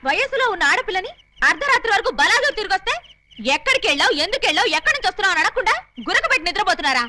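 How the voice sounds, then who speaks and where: An actress playing a headstrong young woman prisoner in love, who talks in a fast, pleading, melodramatic way. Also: extremely high pitch, animated, slight background noise, exaggerated voice. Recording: film soundtrack with loud music.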